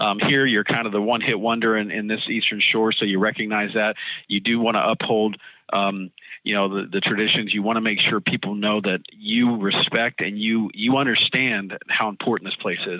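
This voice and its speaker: With a northern US accent, a man with a fairly low pitch talks at a fairly quick pace in a monotone, flat intonation. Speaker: hotel general manager. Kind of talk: interview. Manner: fast; many fillers and repeated words.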